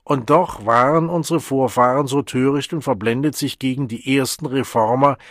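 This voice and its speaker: A man's voice: medium pitch, normal speed, a bit bright, no echo, clean studio sound, pitched above the performer's own voice, close to an everyday voice. A man voicing a cold, lofty male World Controller who lectures students emphatically in an audiobook. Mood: lecturing.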